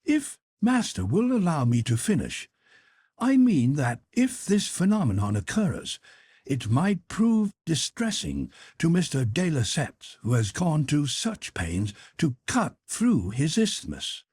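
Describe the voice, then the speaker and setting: Casting: male narrator as a deferential, inquisitive manservant for a classic audiobook, lifted pitch, very lively intonation. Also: slow, husky, heavily acted. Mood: polite, curious. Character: deferential, curious male servant, higher-voiced and polite. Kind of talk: audiobook character dialogue.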